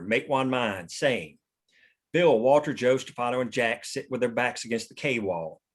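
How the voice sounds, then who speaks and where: A man's voice: medium pitch, breathy edge. A man reading stage directions as scripted narration at a table read.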